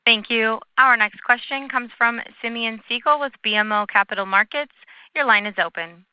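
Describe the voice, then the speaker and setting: A woman's voice: on the high side, normal speed, clear, resonant tone, no room sound. A woman working as a conference call operator, formally announcing who speaks next. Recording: muffled conference phone line.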